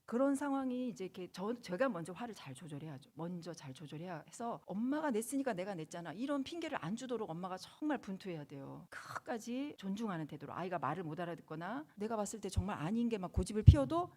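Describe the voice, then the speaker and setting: A woman's voice: mid-range voice, fast talker, few pauses. A middle-aged woman, a school principal, giving a seminar lecture full of personal stories and acted-out exchanges. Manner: lively storyteller who acts out quoted exchanges.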